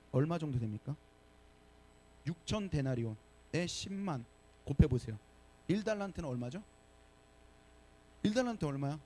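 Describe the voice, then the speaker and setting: A male pastor preaching a sermon to young adults in a church, lively and often asking the congregation questions. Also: fairly high pitch. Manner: animated, asks the congregation questions. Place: church sanctuary.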